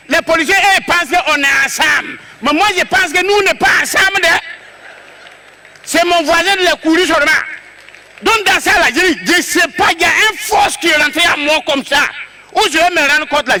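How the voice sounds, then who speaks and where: A man with a West African French accent doing an animated comic story on stage, acting out scenes and jumping between shouts and low asides. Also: noisy background. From Togo. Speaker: stand-up comedian.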